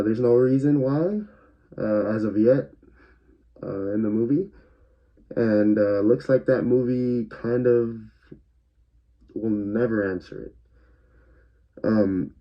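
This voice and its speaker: A man giving a casual spoken movie review, hesitant and stuttering, with many fillers. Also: on the low side. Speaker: film reviewer. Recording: dull lo-fi recording.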